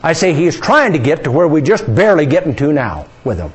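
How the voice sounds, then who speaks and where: A man's voice: on the high side, big pitch swings, fast talker, husky. Guy preaching a sermon, reads scripture out, voice swoops up and down a lot. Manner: asks the congregation questions, reads scripture aloud.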